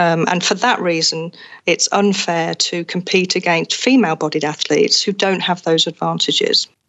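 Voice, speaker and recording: At a moderate pace, a woman with a British accent speaks at a fairly low pitch, with ordinary pitch variation and very even loudness. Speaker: campaign director. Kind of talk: interview.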